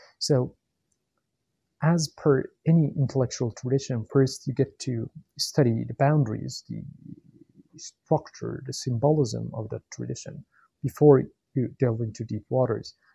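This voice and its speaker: A man with a Persian accent speaks fairly slowly and somewhat breathily, with fairly even intonation. Long pauses come often, and the sound is dry with no echo. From Iran. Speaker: poetry interpreter. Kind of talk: lecture. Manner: halting. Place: home room.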